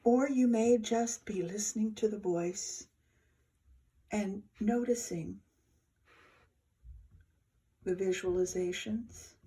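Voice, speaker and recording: Slow, mellow woman guiding meditation. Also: medium pitch, rough recording. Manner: soft, soothing, unhurried with pauses between short phrases. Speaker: yoga nidra teacher. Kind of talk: guided meditation instruction.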